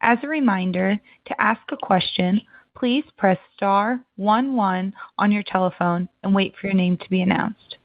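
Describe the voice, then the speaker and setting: A woman operator reads scripted call announcements in a creaky, mid-pitched voice. She comes over a dry, tinny phone line. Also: moderate pace, no echo.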